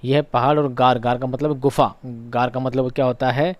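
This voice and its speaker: A man's voice: mid-range voice, flat delivery, moderate pace, highs cut off. A male teacher giving an exam revision lesson, asking questions aloud and repeating each key answer for his students.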